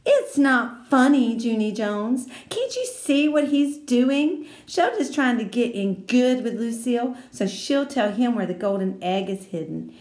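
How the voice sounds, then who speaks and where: A woman's voice: a little high, very animated, unhurried, few pauses, darkish tone, voice pushed up. A woman doing a bossy little girl. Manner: firm, scolding. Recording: roomy echo.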